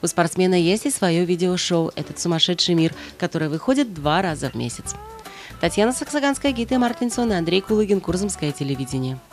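Measured woman news anchor. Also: fairly low pitch, lively intonation, over music. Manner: measured formal delivery. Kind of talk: news reading. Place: TV studio.

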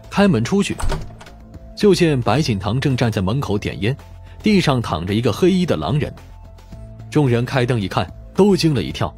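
A man's voice: medium pitch, a little mellow. A man reading a crime novel as a scripted, dramatic audiobook narration.

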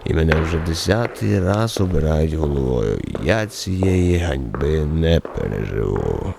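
A man playing a dejected, self-pitying society chairman in a radio drama, complaining slowly and mournfully. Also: extremely low pitch, sing-song, vocal fry, warm tone, a little hiss or hum, pitched below the performer's own voice, exaggerated voice. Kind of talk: radio drama character acting.

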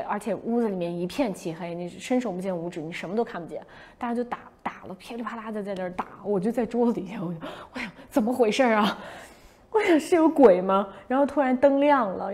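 A young woman hosting a casual livestream, telling a story in an animated way and acting out her own past shouts. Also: mid-range voice. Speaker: livestream host.

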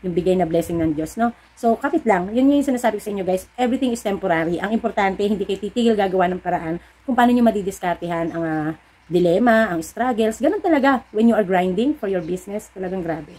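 A woman's voice: mid-range voice, animated, quick pace, a little mellow. A middle-aged woman, talking casually to her viewers as a store owner, telling stories and giving encouraging pep talks. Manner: chatty, storytelling with acted-out dialogue; encouraging, preachy pep talk. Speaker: vlogger and sari-sari store owner.

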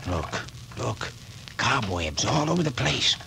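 An actor playing a curious, stubborn small-town mayor in a 1940s radio drama, with a folksy rural drawl. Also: male voice, mid-range voice, sing-song, slow pace, vocal fry, full character voice. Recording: noisy old radio broadcast.

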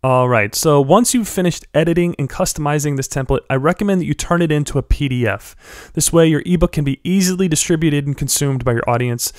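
A young man with a stuffy head cold, giving friendly step-by-step instructions in a software tutorial voice-over. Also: fairly high pitch, fairly quick, dry recording, studio quality. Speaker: blogger teaching a software tutorial. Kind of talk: screen-recorded tutorial voice-over.

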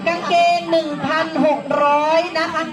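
High-pitched woman hyping live fashion sales. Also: level tone, moderate pace. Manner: hyping items, repeats prices and praise. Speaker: fashion show MC and seller. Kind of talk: live fashion show commentary selling products. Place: busy live community event. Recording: loud music and crowd, event PA.

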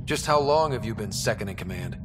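A man's voice: lowish voice, lively intonation, fairly quick, natural voice. A man playing a confident human expedition leader in a video game, speaking directly and with a wry edge. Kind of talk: video game cutscene acting. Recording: music behind the voice.

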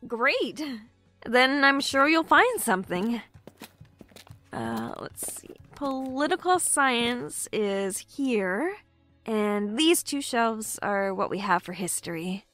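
A woman's voice: on the high side, very animated, slow, fairly bright tone, dry recording, soft background music, exaggerated voice. An actress playing an anxious, earnest young woman in an audio drama. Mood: friendly.

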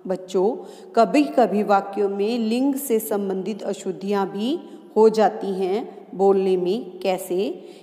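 Lady teacher going over grammar real slow, talking to the kids, lots of echo and long reverb in the room. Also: medium pitch, warm tone. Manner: slow, deliberate dictation of example sentences; addresses pupils as children, asks and answers own questions. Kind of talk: classroom grammar lesson.

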